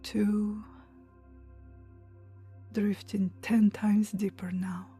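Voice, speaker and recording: A woman leading a guided meditation in a soft, breathy, hushed and soothing voice, pausing between short phrases. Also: mid-range voice, flat delivery, soft background music. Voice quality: soft, breathy, near-whisper at times. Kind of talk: guided meditation, hypnotic relaxation countdown.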